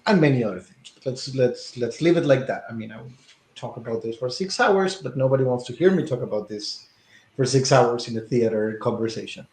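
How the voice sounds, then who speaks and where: A man talks at a middle pitch, thinking aloud and correcting himself as he goes. He slips in dry, wry asides. His voice rings in an echoey room. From Peru. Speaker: guest theater artist. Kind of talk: conversational interview answer.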